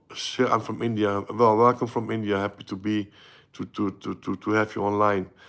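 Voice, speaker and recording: At a moderate pace, a man speaks at medium pitch with a Dutch accent. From Netherlands. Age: 60s. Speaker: YouTube host. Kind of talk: live stream chat. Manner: halting.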